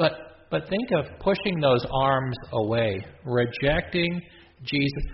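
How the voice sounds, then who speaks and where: In an American accent, a man talks at a fairly slow pace. His medium pitch moves with lively intonation. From Texas, Dallas. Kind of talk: sermon. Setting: church. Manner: halting, many fillers.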